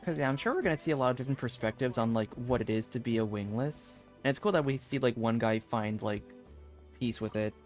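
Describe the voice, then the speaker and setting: Casual male game streamer, medium pitch. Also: fast talker, faint music behind. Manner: musing, informal. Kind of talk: casual live gameplay commentary.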